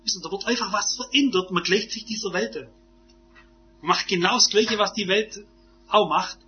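A man preaching a sermon, firing rhetorical questions and swinging from loud insistence to hushed asides. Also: high voice, moderate pace. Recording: dull lo-fi recording.

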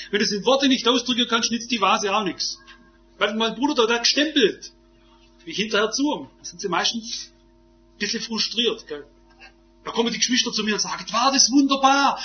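High-voiced emphatic man preaching a sermon. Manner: emphatic, rhetorical questions, swings from loud to hushed. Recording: dull lo-fi recording.

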